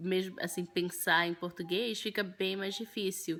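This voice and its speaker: The woman's intonation is fairly even. She talks at a fairly slow pace with a medium pitch. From United States. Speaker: vlogger, mother. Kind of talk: casual vlog talk. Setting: at home. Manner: halting.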